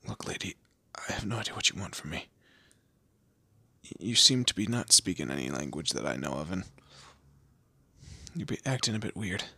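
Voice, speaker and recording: A man playing a weary, wry kidnapped guy in a roleplay audio drama, speaking haltingly and conversationally. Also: deep voice, sing-song, sharp tone, slightly rough, dry recording, exaggerated voice. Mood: confused, wary. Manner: hesitant, halting, sardonic.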